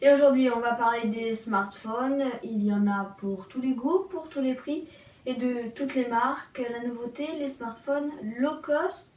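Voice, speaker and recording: A woman's voice: fairly high pitch, unhurried, darkish tone. A woman reporter giving scripted news narration in a lightly playful, explanatory way.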